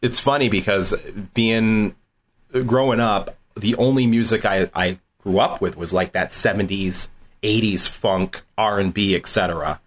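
A fairly low-voiced man from southeastern Massachusetts talks as a guest on an interview. He tells his stories with animation, often breaking into laughter and doubling up his words. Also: measured pace. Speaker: college dean, interview guest. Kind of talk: casual interview storytelling.

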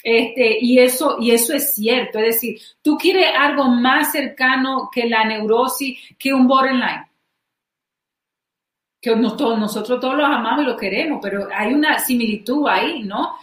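Halting woman therapist, echoey room. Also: fairly high pitch, a bit bright. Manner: thoughtful, halting, with many restarts and fillers. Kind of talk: casual discussion.

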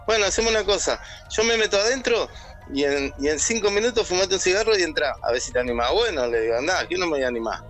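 A man's voice: high voice, animated, fast, fairly bright tone, soft background music. A man with an Argentine accent calling in to tell a personal story, acting out the voices he quotes. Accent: Argentine Spanish. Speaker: caller. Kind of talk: telling a personal story on air.

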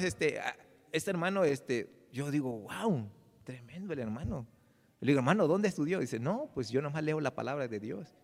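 A man preaches to his congregation in a friendly, rambling way. His voice sits a little high for a man. The sound rings with the long reverb of a church hall. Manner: conversational, frequent "¿verdad?" tag questions, light laughs. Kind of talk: sermon.

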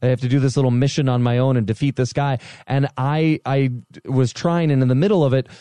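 A man co-hosting a casual podcast, telling gaming stories in an animated way with quick laughs. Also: mid-range voice, clean tone, no echo. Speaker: podcast co-host. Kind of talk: casual chat about video games.

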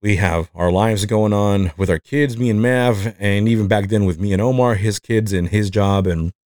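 Man, low voice, mexican accent, rambling podcast host, dry sound. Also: normal speed, a little mellow, dry recording. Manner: rambling, self-reflective, many fillers and restarts. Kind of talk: casual podcast chat.

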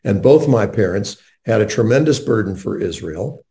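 Earnest older male radio host, mellow tone. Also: lowish voice, normal speed. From North Carolina, USA. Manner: earnest, animated storyteller.

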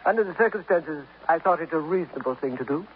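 A man playing a guarded columnist who gives careful, measured answers in 1950s radio drama style on an old recording. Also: fairly high pitch, lively intonation, natural voice. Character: guarded, smooth male columnist. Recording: tinny old radio transcription, faint hiss.

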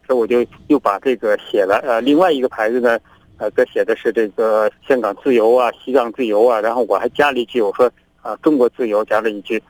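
A middle-aged man from China, a guest on a remote link, telling events in a lively way and acting out both sides of each argument. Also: medium pitch, quick pace, no echo, rough recording. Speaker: interview guest, activist. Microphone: remote connection.

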